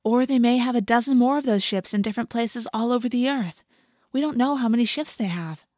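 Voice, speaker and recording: A woman voicing a gentle, animal-loving teenage girl in an audiobook, earnest and matter-of-fact. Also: fairly high pitch, fairly quick, no room sound, studio quality, voice pushed up, close to an everyday voice. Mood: cautious.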